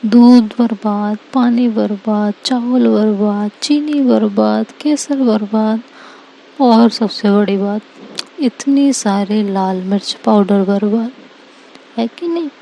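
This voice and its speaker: A woman's voice: mid-range voice, takes it slowly, gravelly, warm tone, a little hiss or hum, poor audio. Woman doing Seerat, a teasing young girlfriend. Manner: teasing, joking.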